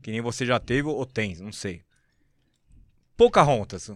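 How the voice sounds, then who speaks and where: A man's voice: medium pitch, lively intonation, measured pace, no echo, clean studio sound. A Brazilian man hosting a casual podcast chat, informal and slangy, often repeating his words. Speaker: podcast host, interviewer.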